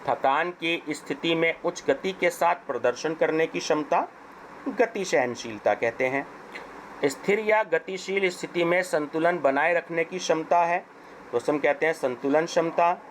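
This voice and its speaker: A hoarse male teacher with an Indian accent reads exam questions and answers at a very slow, careful pace. His voice sits a little high for a man. A faint air-conditioner hum runs underneath. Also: rough recording. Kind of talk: exam paper walkthrough.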